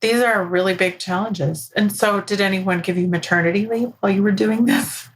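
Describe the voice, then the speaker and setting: A woman's voice: medium pitch, fairly even intonation, moderate pace, a little hiss or hum. Woman, 40s, podcast host; curious, friendly, mid-range voice with dry humour. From New York, USA. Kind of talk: casual podcast interview.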